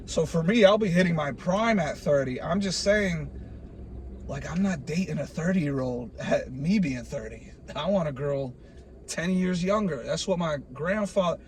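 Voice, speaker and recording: A man in his late twenties ranting in a casual, rambling way, saying "dude" again and again and restarting his sentences. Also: fairly high pitch. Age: 20s. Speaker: vlogger. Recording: loud vehicle noise behind.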